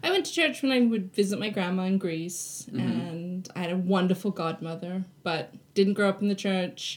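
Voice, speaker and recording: A woman's medium-pitched voice at a fairly slow pace, with fairly even intonation and noticeable background noise. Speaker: podcast guest. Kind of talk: casual chat.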